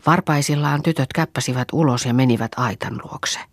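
A woman narrating an audiobook in a calm, even storytelling manner. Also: very deep voice, no room sound. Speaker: audiobook reader.

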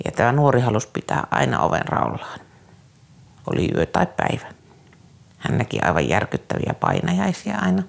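A man with a gravelly voice recounts his years as a youth care counselor in an interview. His intonation rises and falls widely. He speaks haltingly and earnestly, often stopping to restart a sentence. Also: on the high side. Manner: earnest, troubled storytelling. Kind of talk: personal recollection in an interview.

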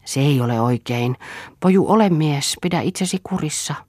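A woman's voice: sits low, expressive, mellow, no room sound, studio quality. A woman reading the part of an ill young mother in an audiobook, pleading and tender.

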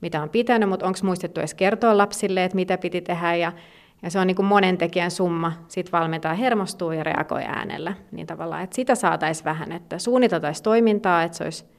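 A woman speaking as an expert in a conversational interview, explaining at length with many fillers and restarts. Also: lowish voice. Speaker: gymnastics federation expert.

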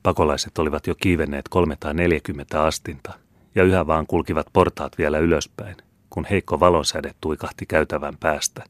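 A man reading an audiobook in a measured, even storytelling manner. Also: very deep voice, no room sound. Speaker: audiobook reader. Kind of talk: audiobook narration.

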